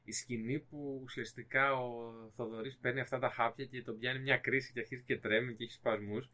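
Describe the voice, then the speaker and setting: Lively joking male podcast host. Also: mid-range voice. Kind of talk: casual podcast chat.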